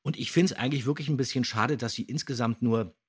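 A man with a slightly husky voice, talking casually as a podcast co-host reviewing stories. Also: medium pitch, quick pace. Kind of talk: casual podcast review of an audio drama episode.

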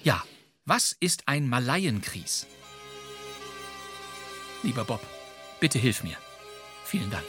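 A man's voice: mid-range voice, very animated, slow pace, long pauses, music in the background. A man narrating a podcast segment from a script, wry and playful, addressing the listener directly. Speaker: podcast co-host.

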